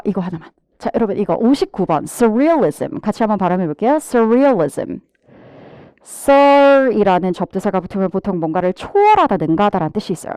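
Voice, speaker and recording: A woman's voice: fairly high pitch, no echo. A woman TOEFL instructor giving a live online vocabulary lecture, having students repeat English words after her and talking straight to the class. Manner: lively teacher drilling pronunciation, has students repeat words; addresses the class directly, mixing English words into explanations.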